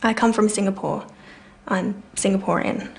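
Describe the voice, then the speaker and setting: A woman's voice: mid-range voice, steady tone, moderate pace, vocal fry, lightly acted. An actress in her twenties playing a polite young businesswoman client who gives short answers. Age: 20s. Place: small office set, indoors.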